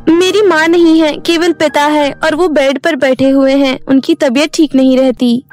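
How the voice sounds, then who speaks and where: A woman voicing a modest young village girl who sews, in an animated storybook. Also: sits high, normal speed, soft background music, close to an everyday voice. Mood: earnest. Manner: polite, modest and earnest. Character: sweet young village girl, humble seamstress. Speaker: voice-over artist.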